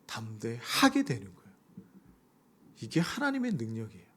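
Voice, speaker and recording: A man's voice: mid-range voice, wildly swooping pitch, moderate pace, fairly bright tone, a little hiss or hum. A male pastor preaching a sermon, acting out prayers in a raised voice. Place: church sanctuary.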